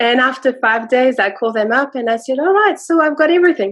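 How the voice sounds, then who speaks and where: Speaking with a French accent, a woman varies her pitch in an ordinary way. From France. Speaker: spiritual entrepreneur. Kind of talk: interview answer.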